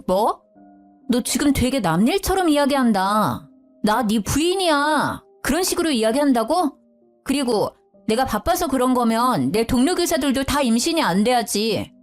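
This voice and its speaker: A woman's voice: sits high, very animated, moderate pace, soft background music. A woman in her thirties telling a dramatized story of a marital fight, indignant and emphatic. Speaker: storyteller, schoolteacher wife.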